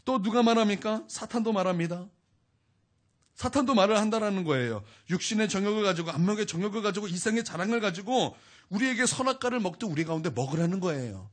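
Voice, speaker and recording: Male pastor with a high voice, preaching emphatically with repeated questions to the congregation. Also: animated, fast talker. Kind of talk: sermon.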